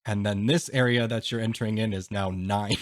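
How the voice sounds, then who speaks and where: A man's voice: lowish voice, fairly even intonation, brisk, no echo, studio quality. A man narrating a tabletop game as game master in a casual, hesitant and explanatory way.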